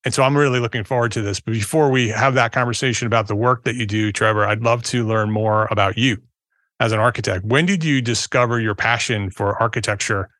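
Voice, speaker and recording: A man's voice: fairly low pitch, fairly quick, a bit bright, no room sound, clean studio sound. A man hosting an architecture podcast, introducing his guest and asking questions in a friendly, conversational way. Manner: upbeat promo read, then conversational. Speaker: podcast host.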